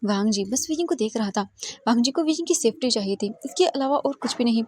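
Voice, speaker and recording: A woman's voice: fairly high pitch, animated, fast, darkish tone, slightly rough, dry recording, studio quality. A woman casually narrating her own fanfiction story, chatty and mixing in English words.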